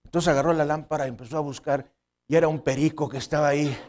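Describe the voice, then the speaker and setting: A man with a northern Mexican accent preaching a sermon as pastor, emphatic, with sudden rises in pitch and loudness, telling humorous anecdotes. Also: steady tone, fast talker, background noise.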